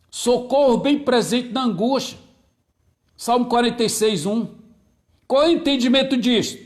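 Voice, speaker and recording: A male pastor preaches a sermon, repeating key phrases and greeting viewers by name between points. When he reaches those key phrases, he slows down, drops his voice low, and says them again.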